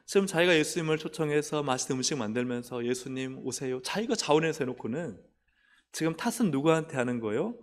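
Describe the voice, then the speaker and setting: A male pastor preaching a lively sermon, putting questions to the congregation. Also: mid-range voice. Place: church sanctuary. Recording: long church hall reverb.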